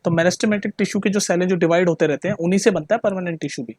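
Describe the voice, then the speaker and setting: A man's voice: sits high, fast talker, a little mellow, dry recording. A male teacher explaining a lesson casually, mixing in English terms, repeating words for emphasis and often checking that the listener follows. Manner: chatty, keeps checking the listener understands; mixes Hindi with English terms.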